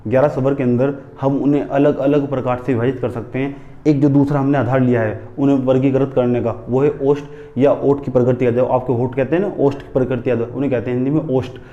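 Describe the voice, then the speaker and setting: A man's voice: mid-range voice, steady tone, fast, dark tone, lo-fi sound. A man teaching a Hindi grammar class, repeating key terms and asking and answering his own questions as he dictates headings. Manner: tells students to write headings.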